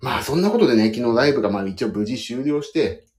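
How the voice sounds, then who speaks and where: A man's voice: mid-range voice, animated, fast talker, a little mellow. A man, a pianist, chatting casually about his work while soaking his feet in a bath, telling stories with self-mocking asides. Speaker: pianist and audio podcaster. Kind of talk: casual rambling chat. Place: bathroom, in a foot bath. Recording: echoey bathroom acoustics.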